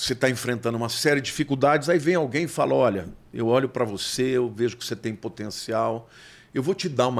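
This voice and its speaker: A man of medium pitch speaks at a fairly quick pace with ordinary pitch variation. He has an unremarkable speaking voice. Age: 60s. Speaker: pastor. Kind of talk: podcast interview.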